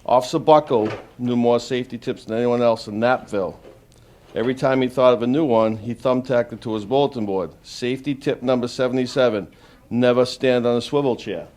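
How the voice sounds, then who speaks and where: A man's voice: mid-range voice, a little fast, a little mellow. A man reading a children's storybook aloud as a police officer, chatting informally with his young listeners between lines. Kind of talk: casual picture-book reading with asides. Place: room with an audience of children. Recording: noisy live room recording.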